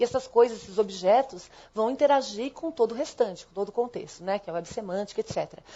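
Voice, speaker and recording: A woman talks at a very fast pace with fairly high pitch. Her intonation is lively. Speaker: lecturer on digital technology. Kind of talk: lecture.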